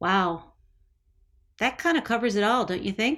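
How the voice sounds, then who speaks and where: A woman with a warm tone, recorded very cleanly against a silent background. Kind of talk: devotional podcast with prayer. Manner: warm, earnest, intimate; sincere pleading, heartfelt.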